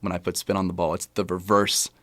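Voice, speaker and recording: A man's voice: sits low, level tone, fast talker, sharp tone, dry recording. A young American man from California, a college athlete chatting casually and in a rambling way as a podcast guest. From California, USA. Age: young adult, about 20. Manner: conversational, rambling, self-correcting. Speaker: college tennis player, interview guest.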